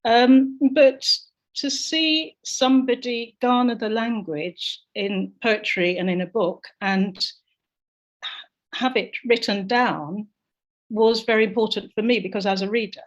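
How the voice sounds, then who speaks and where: A woman's voice: on the high side, steady tone, unhurried, dull audio. Woman reflecting over a video call. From London, England. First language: Jamaican. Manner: reflective, personal storytelling. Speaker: panelist. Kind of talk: online panel discussion.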